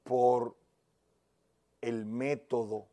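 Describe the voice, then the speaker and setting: A man's voice: mid-range voice, level tone, extremely slow, dark tone. Emphatic Dominican man commentator. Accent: Dominican Spanish. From Dominican Republic. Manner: emphatic, indignant. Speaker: news commentator. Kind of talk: opinion news commentary.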